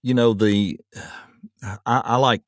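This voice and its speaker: Low-voiced man, rambling podcast chat. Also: slow, no room sound, studio quality. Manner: rambling, relaxed, lots of fillers. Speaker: podcast host. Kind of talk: casual chat.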